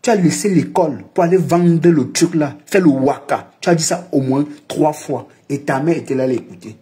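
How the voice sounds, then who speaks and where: A man's voice: a little high, moderate pace, dark tone. A man, scolding and mocking someone at length in a heated live commentary. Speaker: social media commentator.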